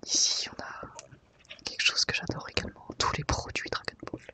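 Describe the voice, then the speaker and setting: An ASMR host, whispering softly and unhurriedly while guiding listeners through a book. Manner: soft, unhurried guided browsing through a book.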